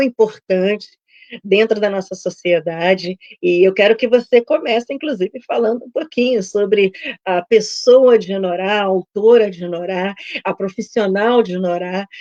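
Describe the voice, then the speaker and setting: A woman with a normal speaking voice, medium pitch, ordinary pitch variation, big swings in loudness and a fairly slow pace, in a dry, close sound with no echo. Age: middle-aged. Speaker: interviewer. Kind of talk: interview.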